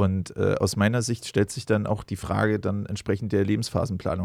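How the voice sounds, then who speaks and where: Vocal fry colors the fairly quick, fairly evenly intoned speech on a very clean recording with a silent background. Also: man. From Brandenburg, Germany. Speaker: mortgage broker. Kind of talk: casual chat. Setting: studio.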